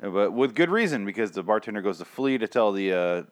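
A man's voice: lowish voice, lively intonation, fast talker. Sarcastic man recapping casually. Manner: sarcastic, swearing, acting out quotes. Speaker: podcast co-host.

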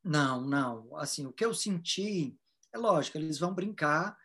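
Husky Brazilian man in casual chat. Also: a little high, expressive, normal speed, a bit bright. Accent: Brazilian Portuguese. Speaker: guest. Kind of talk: casual conversation.

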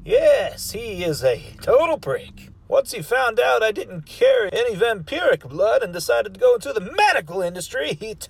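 A man's voice: high-pitched, big pitch swings, normal speed, creaky, few pauses, breathy edge, exaggerated voice. A man playing the sarcastic, long-suffering son of a skeleton show host in a comedy skit. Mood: wry.

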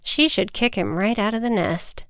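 Lady doing nosy gossip birds for a kids book, super judgy, clear voice. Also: mid-range voice, normal speed, fairly bright tone, dry recording, studio quality, close to an everyday voice. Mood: scandalized. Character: gossipy, judgmental neighbourhood birds at the feeder. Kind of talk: children's storybook character voice.

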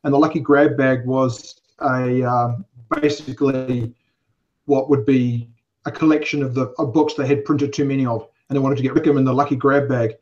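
A man's voice: mid-range voice, little pitch movement, normal speed, darkish tone. A man in his forties from England, raised in New Zealand, with an English accent tinged by New Zealand, talking as a guest in a casual podcast interview, rambling with many fillers and wry asides. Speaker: convention organizer, guest. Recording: dull lo-fi podcast audio.

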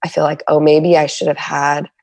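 A middle-aged woman from San Diego, talking as a podcast guest in a low, steady voice. She speaks candidly and reflectively, often pausing and restarting as she searches for her words. The recording is close and dry, with no room sound. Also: no room sound. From San Diego, United States. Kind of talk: reflective conversational interview.

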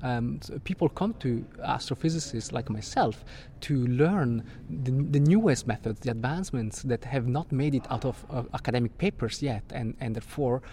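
A man's voice: mid-range voice, moderate pace, warm tone, a little hiss or hum. A middle-aged man from Switzerland, answering interview questions as a guest astrophysicist and often repeating words as he restarts.

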